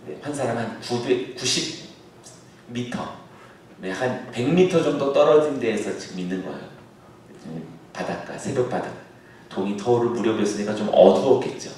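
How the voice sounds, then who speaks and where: A male pastor preaching a sermon, now and then bursting into shouted calls as he acts out a scene. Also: fairly low pitch, slight background noise. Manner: acts out shouted calls across the water, then drops to a soft aside. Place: church sanctuary. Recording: echoey church hall, heard from a distance.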